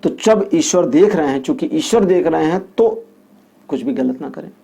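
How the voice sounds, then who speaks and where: A man's voice: a little high, lively intonation, moderate pace, vocal fry, warm tone, husky. A man giving a weekly tarot horoscope reading, explaining each point with repetition and homely examples. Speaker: tarot reader.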